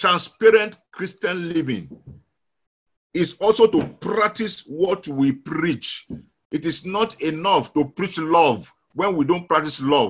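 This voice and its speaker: Over a quiet background, a man speaks very slowly in a high voice with ordinary pitch variation. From Nigeria. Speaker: pastor. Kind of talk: sermon. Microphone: webcam.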